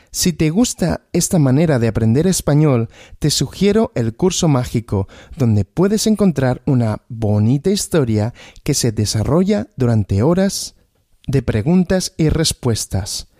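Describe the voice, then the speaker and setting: A man teaching Spanish through a story, asking questions and answering them himself, repeating each answer slowly. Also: mid-range voice, mellow, no room sound, studio quality. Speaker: Spanish teacher, podcast host.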